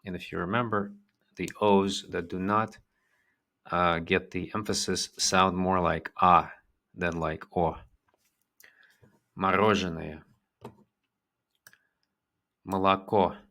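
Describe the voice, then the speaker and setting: A man teaching a vocabulary lesson, repeating each word twice in a slow, patient way. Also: low voice, level tone, sharp tone. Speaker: language teacher.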